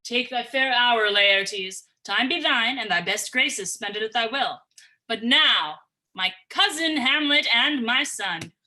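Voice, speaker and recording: A woman playing a smooth-tongued, reproving middle-aged king in a livestreamed Shakespeare reading, with formal, stately verse delivery. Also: fairly high pitch, expressive, slow pace, sharp tone, heavily acted, low-quality recording. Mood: courtly. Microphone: remote livestream from own location.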